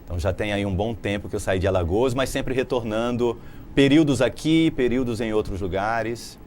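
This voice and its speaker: A man's voice: on the low side, fairly quick, a little mellow, slight background noise. A man from Brazil in his thirties, a political scientist, explaining his ideas at length as a TV interview guest. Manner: articulate, explanatory, laughs easily.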